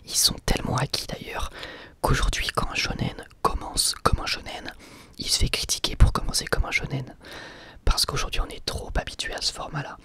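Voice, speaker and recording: A young adult host, whispering casual, hesitant answers to viewer questions into a close microphone for an ASMR video. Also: moderate pace. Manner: soft steady whisper, casual and hesitant with many fillers.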